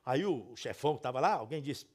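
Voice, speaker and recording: A male pastor preaching a sermon, telling stories with sudden swings between loud and soft, and speaking directly to the congregation. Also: mid-range voice, lively intonation, fast, breathy edge.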